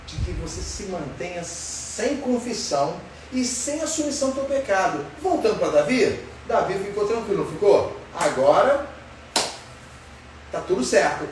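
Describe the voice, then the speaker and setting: Animated man teaching a Bible class. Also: sits high. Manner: asks the class questions, animated and emphatic. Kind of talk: Sunday school Bible lesson. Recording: roomy far-off sound with faint noise.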